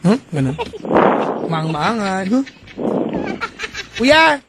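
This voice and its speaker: A man hosting a late-night radio call-in show, playful and teasing, talking in an animated way. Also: high-pitched, drawn-out words, very noisy.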